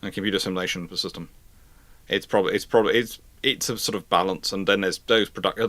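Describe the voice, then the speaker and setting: A man hosting a live question-and-answer talk, speaking in a halting, stammering way and often circling back to rephrase. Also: lowish voice, a bit bright, dry recording. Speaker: host answering audience questions. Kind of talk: live question-and-answer talk on military history and current affairs.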